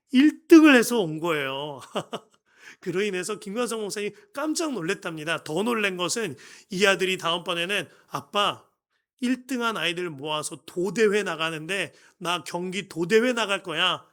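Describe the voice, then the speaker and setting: A male pastor delivers an early morning sermon in a high-pitched voice. His tone is bright and forceful as he tells a story, acting out each character's lines. He swings from loud exclamations to near-whispered asides. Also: moderate pace. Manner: animated storyteller acting out quoted dialogue, shifting between loud and hushed. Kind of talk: dawn prayer sermon storytelling.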